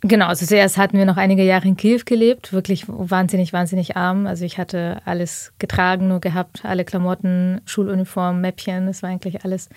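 A woman in her thirties from Ukraine with a somewhat gravelly voice, recorded dry and close. She speaks calmly and thoughtfully, recounting her own experiences in a measured way and reflecting on them. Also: mid-range voice, no room sound. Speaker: interview guest. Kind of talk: reflective personal interview.

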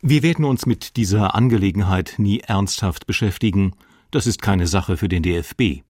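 A man's voice: lowish voice, normal speed, a little mellow, no echo, clean studio sound, lightly acted. An actor playing a stern, officious male football official of the 1950s, reading documentary quotes formally. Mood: stern, dismissive. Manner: formal, bureaucratic. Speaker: voice actor reading historical statements.

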